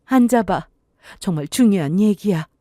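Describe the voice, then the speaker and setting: A woman voicing a worried middle-aged mother who gives urgent, hushed orders over the phone. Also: medium pitch, lively intonation, moderate pace, no echo, studio quality, close to an everyday voice.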